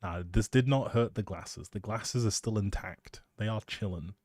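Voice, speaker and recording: A man's voice: fairly low pitch, moderate pace, a little mellow, dry recording. A man chatting casually as a live streamer, rambling in a playful, self-deprecating way into a close microphone.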